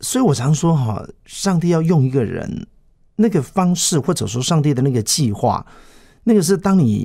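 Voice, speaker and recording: With a Taiwanese accent, a man speaks at a moderate pace in a dark, mellow tone, his fairly high pitch making very wide swings. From Taiwan, Chiayi (southern Taiwan). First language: Taiwanese Hokkien (speaking Chinese). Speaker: pastor and TV storyteller host. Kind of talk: interview testimony.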